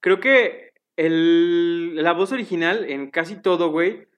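A Mexican man chatting casually with friends. His voice sits a touch high, and his talk is loose and slangy, full of filler. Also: slow pace, dull audio. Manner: slangy, says güey constantly. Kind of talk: casual chat.

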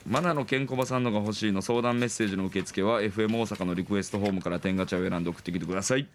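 A man's voice: fairly low pitch, fairly even intonation, racing, slight background noise. A man with a Kansai accent co-hosting a radio show, making wry musing comments in casual banter. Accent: Kansai Japanese. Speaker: radio co-host.

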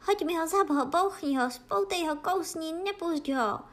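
A woman's voice: very high voice, pitched above the performer's own voice. A woman voicing an eager, fierce male palace dog in a children's fairy tale, barking out short repeated exclamations. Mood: ferocious, shouting.

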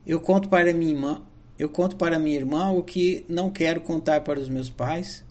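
A man's voice: on the high side, brisk, a little mellow. Earnest Brazilian man reading his diary. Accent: Brazilian Portuguese. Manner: earnest, reflective storytelling. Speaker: diary narrator. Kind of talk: reading a personal diary aloud.

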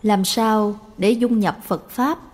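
A woman reading the questions aloud in a plain, even tone for a Buddhist question-and-answer recording. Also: mid-range voice, takes it slowly, breathy edge. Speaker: reader of the questions. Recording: long reverb with faint background music.

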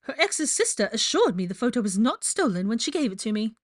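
A woman's voice: high-pitched, sing-song, a little fast, a bit bright, voice pushed up. A woman voicing a vile female gossip journalist, falsely chipper, theatrical and affectedly sweet, in an audiobook story. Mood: flippant, dismissive.

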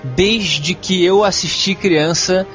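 A man's voice: high voice, slow, fairly bright tone. A man co-hosting a comic news podcast, chatting in a joking, teasing way. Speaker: podcast co-host. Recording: dull lo-fi audio, music behind.

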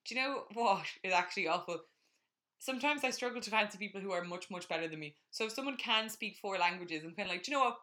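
Bright-voiced young woman, self-mocking chat. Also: medium pitch, lively intonation, fast talker. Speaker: podcast co-host. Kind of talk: casual chat.

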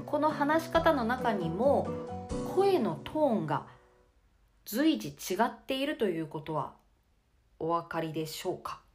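A woman hosting her own podcast as a voice coach, talking through how speech turns monotone and demonstrating pitch changes. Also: measured pace, soft background music. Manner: lively, demonstrative, varies her pitch on purpose. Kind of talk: solo podcast lesson on speaking.

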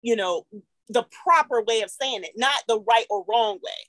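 This is a low-quality, dry recording of a woman with an African American accent making emphatic points in a lively group discussion, often asking "right?" to get agreement. Her voice is on the high side and a bit bright, at a moderate pace.

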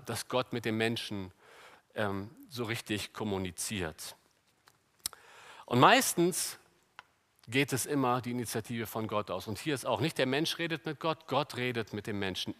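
A man preaching a sermon to a congregation, lively and often asking the listeners rhetorical questions. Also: mid-range voice.

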